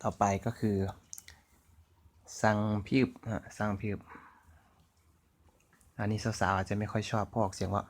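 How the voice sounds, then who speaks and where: A man with a Thai accent giving a relaxed, chatty language lesson, repeating sounds as he writes them out. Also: on the low side, creaky. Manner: slow, chatty, repeating sounds while writing on a board. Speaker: language teacher. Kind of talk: casual online language lesson.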